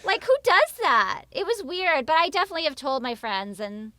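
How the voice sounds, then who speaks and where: A woman's voice: high-pitched, very animated, normal speed, bright, forceful tone, no echo, exaggerated voice. A woman playing a self-absorbed, panicky young female rideshare driver who rambles with lots of fillers, in an audio drama. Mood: chatty, self-important. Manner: pleading, rambling, many fillers and likes.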